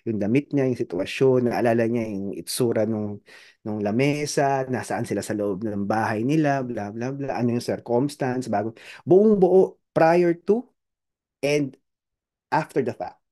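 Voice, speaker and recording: Dark-voiced Filipino man preaching dramatically. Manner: switches between Tagalog and English, acts out quoted voices; dramatic swings in pitch and volume, slows down on key points. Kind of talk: sermon.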